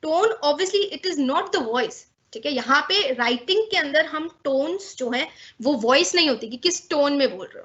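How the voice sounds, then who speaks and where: A woman's voice: high voice, a bit bright. A young woman teaching English grammar in a mix of Hindi and English, explaining patiently and checking in often with her students. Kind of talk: online class lesson, mixing Hindi and English. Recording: slightly dull lo-fi audio.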